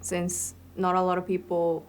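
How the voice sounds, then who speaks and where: A woman's voice: fairly low pitch, completely flat delivery, measured pace, a little hiss or hum. A Latina woman from Latin America with a Spanish accent, speaking candidly in a documentary interview and using "like" often. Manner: candid, filler-heavy, uses "like" often.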